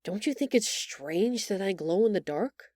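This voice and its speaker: A woman voicing a gentle, timid alien woman in an intimate audio roleplay, speaking hesitantly and earnestly, with tender halting stammers. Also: medium pitch, expressive, no room sound, clean studio sound, natural voice. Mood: shy, astonished. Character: gentle, timid bioluminescent alien woman, shapeshifter in human exile.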